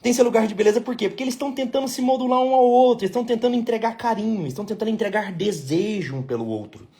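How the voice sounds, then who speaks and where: Brazilian man, middle-aged therapist, blunt and emphatic, slightly high voice, lecturing to camera. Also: racing, dark tone. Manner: blunt, emphatic, repeats key phrases, asks "tá entendendo?". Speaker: couples therapist. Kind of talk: talking-head lesson.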